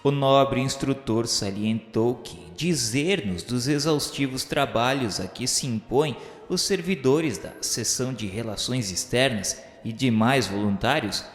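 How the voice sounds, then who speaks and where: A man reads formal literary narration for a radio novel in a solemn, measured, declamatory manner. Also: mid-range voice. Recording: echoey hall reverb, music behind. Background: music.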